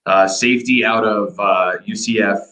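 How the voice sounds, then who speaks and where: A man co-hosting a sports podcast, giving a quick, energetic casual breakdown of draft prospects. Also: on the low side, rough recording. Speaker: podcast co-host. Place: hotel room.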